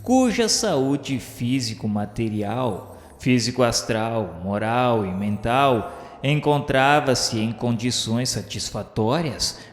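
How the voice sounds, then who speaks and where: A man reads a scripted radio novel at a slow, measured pace. His delivery is formal, solemn and declamatory. The voice rings in a long, echoey reverb, with music playing behind it. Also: mid-range voice. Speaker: narrator.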